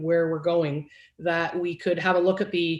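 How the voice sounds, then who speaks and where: The background is quiet. A woman speaks in a monotone, flat intonation. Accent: Canadian. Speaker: county councillor chairing meeting. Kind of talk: council meeting discussion. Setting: video conference meeting. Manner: fast.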